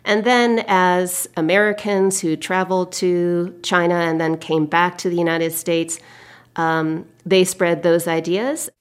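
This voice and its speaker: A woman historian giving measured explanations in an interview. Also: on the low side, fairly even intonation, clean tone.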